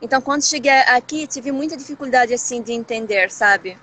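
A woman's voice: sits high, fairly quick, pushed and bright, slight background noise. A woman from Morocco with a Moroccan accent, a language teacher chatting casually as a guest, often restarting her sentences. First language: Moroccan Arabic. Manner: speaks with many restarts and small hesitations. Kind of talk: casual live chat.

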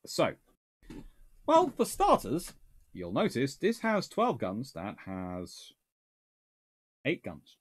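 A naval historian speaks slowly in a slightly rough, mid-range voice, with huge pitch swings and long pauses. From his small home study lined with books, he handles viewer questions in a casual livestream, thinking aloud and correcting himself as he rambles.

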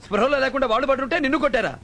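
A man's voice: very high-pitched, very fast, sharp tone, heavily acted. An actor playing a stern, suspicious boss who scolds and threatens his servant. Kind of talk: film dialogue. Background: film score.

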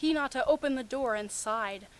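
A young woman with a fairly high voice reads amateur fiction aloud. She breaks off for sarcastic, incredulous commentary in a conversational way. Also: normal speed. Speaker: host of a comic fan fiction reading series. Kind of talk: reading fan fiction aloud with mocking commentary.

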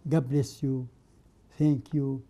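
An older man whose first language is Arabic, presenting a religious program as a patriarch and giving a sermon in short, emphatic phrases with many pauses. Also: medium pitch, level tone, mellow. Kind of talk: slow spoken sermon.

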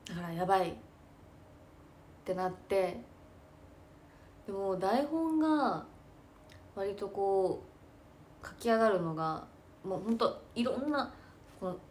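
A woman's voice: medium pitch, animated, measured pace, pauses often, a little mellow, slight background noise. A young woman chatting casually in a self-deprecating way, laughing often as she talks. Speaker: idol and stage actress. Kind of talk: casual chat.

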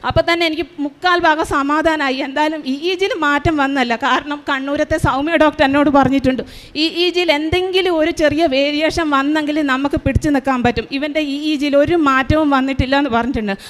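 A woman with a high voice gives an earnest church testimony as a mother. She retells her story tearfully, slowing down and pausing often. Her voice rings out in the long reverb of a large shrine hall. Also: steady tone.

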